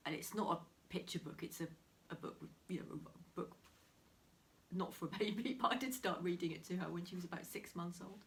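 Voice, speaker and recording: A woman's voice: fairly low pitch, fairly quick. A woman, chatting casually to camera about her crafts, slightly nasal from a cold and often half-whispering. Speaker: crafting vlogger. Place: home room beside a window, heavy rain outside. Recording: faint rain noise.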